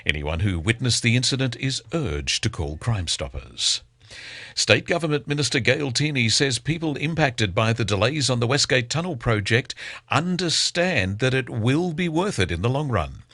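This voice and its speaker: A man's voice: medium pitch, animated, moderate pace, bright, forceful tone, dry recording. An Australian man reading a scripted radio news bulletin as the presenter. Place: close, dry radio studio.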